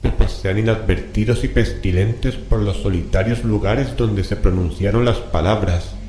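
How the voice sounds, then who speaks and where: A man's voice: fairly low pitch, mellow, a little hiss or hum, close to an everyday voice. A man playing a grave, horrified scholar who reads forbidden occult scripture aloud in a solemn, ominous horror radio drama manner. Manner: slow, solemn, ominous incantatory delivery. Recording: reverberant voice with music bed.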